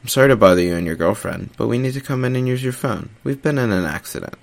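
A man's voice: medium pitch, fast talker, creaky, pitched above the performer's own voice. A man voicing an eerie black-eyed teenage boy who speaks in a forced, dry, emotionless way. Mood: cold, demanding. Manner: forced, dry, flat delivery.

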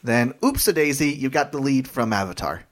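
A man's voice: medium pitch, animated. A man co-hosting a podcast, chatting casually and joking. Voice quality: joking, quick asides. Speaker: podcast co-host. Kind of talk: casual chat.

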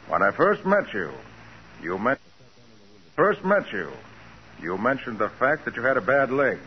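An actor playing a cool, tough private detective, wry and composed, in a 1940s radio crime drama. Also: male voice, mid-range voice, big pitch swings, unhurried. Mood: cool, defiant. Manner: wry, composed, matter-of-fact. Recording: muffled, hissy 1940s radio recording.

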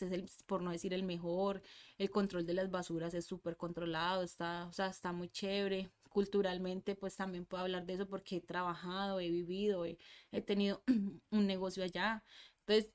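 A young woman with a Medellín Colombian Spanish accent, chatting casually as a podcast guest, rambling with many fillers and restarts. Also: fairly low pitch.

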